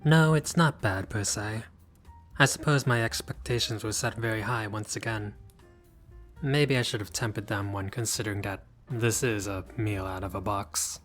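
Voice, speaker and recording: A man's voice: lowish voice, normal speed, a bit bright, soft background music, lightly acted. A man playing a haughty but friendly vampire lord in a roleplay audio, speaking in a formal, fussy, politely pompous way. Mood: gracious, refined. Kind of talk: scripted roleplay audio addressed to the listener.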